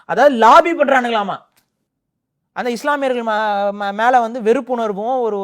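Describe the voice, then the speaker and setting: Guy ranting fast in an interview, pretty high voice, gets worked up. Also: fairly bright tone. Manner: indignant, rapid, rising to emphatic outbursts. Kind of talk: heated opinion talk.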